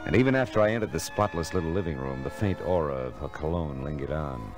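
This bass-voiced actor moves at a quick pace, expressive as he voices a wisecracking gumshoe in a vintage radio detective show. He narrates and needles others with a laconic, world-weary wryness, all over a musical underscore on an old recording.

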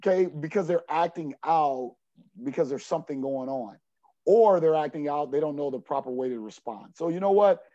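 A man in his forties with a dark, mellow voice talks earnestly as a coach on a podcast. He restarts and repeats words while he gathers his thoughts. The audio is dry and a little muffled. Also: fairly high pitch, moderate pace, dry recording. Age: 40s. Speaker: junior college basketball coach. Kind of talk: podcast interview answer.

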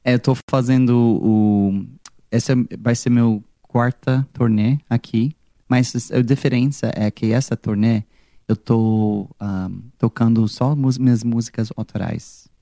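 A young man from California with an American accent, a musician answering interview questions in a second language, pausing and searching for words and slipping into English. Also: mid-range voice, fairly even intonation, dark tone, no room sound, studio quality. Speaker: musician guest. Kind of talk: casual interview.

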